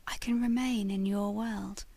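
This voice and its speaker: A woman voicing a ghostly young woman returned from a portrait, speaking in a slow, yearning, hushed whisper. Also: medium pitch, fairly even intonation, gravelly, no room sound. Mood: pleading.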